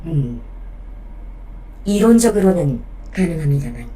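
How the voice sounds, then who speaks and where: Mellow, formal robot companion. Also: female voice, deep voice, big pitch swings. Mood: helpful. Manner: formal, measured, matter-of-fact. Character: polite, protective, logical female robot companion. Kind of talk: Korean audio drama acting.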